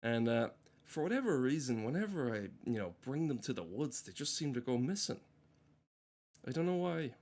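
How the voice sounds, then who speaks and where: A man's voice: medium pitch, sing-song, normal speed, a little mellow. A man casually streaming a game, rambling and swearing with dry, joking commentary.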